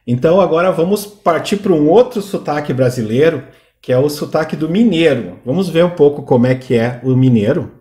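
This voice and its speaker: Relaxed Brazilian man hosting, echoey room. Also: fairly high pitch, fairly quick, hardly any pauses. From southern Brazil. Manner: relaxed, conversational, asks questions. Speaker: host. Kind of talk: casual commentary on video clips.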